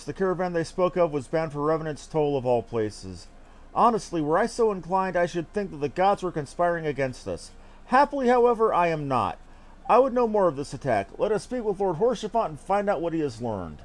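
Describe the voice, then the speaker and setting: A man's voice: on the high side, sing-song, brisk. A man voicing an eloquent, courtly fantasy adventurer from game dialogue, in theatrical, formal archaic phrasing. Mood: wry, determined. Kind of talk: reading game dialogue aloud in character.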